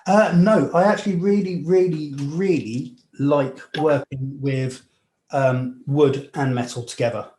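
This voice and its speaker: A young man from Nigeria, a jeweller, explaining his work while filing and sanding at his bench, with many pauses and fillers. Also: fairly high pitch, roomy sound. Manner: relaxed, hesitant, many fillers, talks while working. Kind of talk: live demonstration with interview answers.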